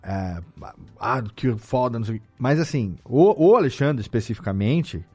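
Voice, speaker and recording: A man's voice: mid-range voice, lively intonation, moderate pace, a little mellow, slightly rough, soft background music. A Brazilian man hosting a podcast in casual conversation, informal and slangy, swearing lightly. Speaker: podcast host. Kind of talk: casual chat.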